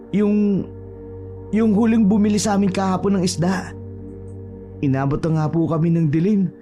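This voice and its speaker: Brief: a man as a troubled young brother, slightly high, mellow voice, faint music under. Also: natural voice. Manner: respectful, hesitant.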